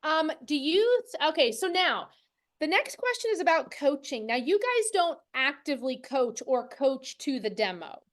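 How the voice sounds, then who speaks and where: Female interview host, high register, chatty and supportive, casual conversational delivery. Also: big pitch swings, normal speed. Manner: encouraging, affirming.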